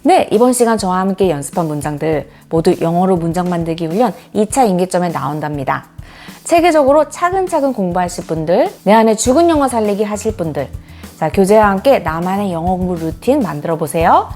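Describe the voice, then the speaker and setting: Lively Korean woman teaching English. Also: on the low side, soft background music. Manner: lively, encouraging, drills sentences slowly and repeats them. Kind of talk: online English lesson.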